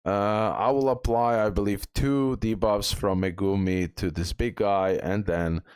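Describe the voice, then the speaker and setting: A man's voice: lowish voice, fairly even intonation, a little slow, a little mellow, clean tone, no echo, studio quality. A man giving a casual gameplay walkthrough as a guide host, thinking aloud as he goes. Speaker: gaming guide creator, host.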